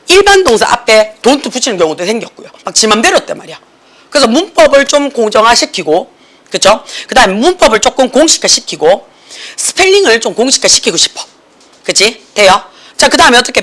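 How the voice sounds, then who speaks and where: A woman teaching an English academy class, constantly checking in with her students. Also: fairly high pitch. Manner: lively, asks students constant check questions. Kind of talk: classroom lecture.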